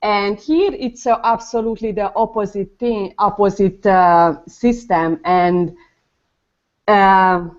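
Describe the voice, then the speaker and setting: Hungarian-accented woman on a video call, unhurried and earnest, dull lo-fi sound. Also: medium pitch, fairly even intonation. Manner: earnest, halting, searches for words. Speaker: panel guest, mother of a toddler. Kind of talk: casual online group chat.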